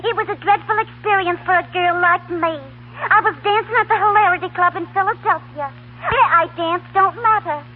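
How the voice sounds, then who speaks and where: An actress playing a brash, gushing young nightclub dancer with slangy streetwise talk in a 1930s radio comedy. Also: female voice, very high voice, moderate pace. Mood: theatrically wounded. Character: brash young nightclub dancing girl craving publicity. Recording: scratchy, tinny 1930s radio broadcast.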